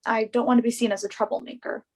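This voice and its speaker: Young female model, acted by a woman, play reading: highish voice, earnest, self-assured, assertive. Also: little pitch movement, quick pace. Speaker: actor in a virtual staged reading.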